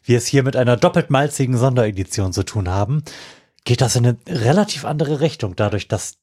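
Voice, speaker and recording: A husky man speaks in long, careful, well-ordered sentences with a dry sense of humor. He sounds like a podcast co-host keeping the conversation on track. His pitch stays in a middle range. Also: lively intonation, fairly quick, darkish tone, dry recording. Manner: wordy, orderly, dryly amused. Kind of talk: casual podcast chat.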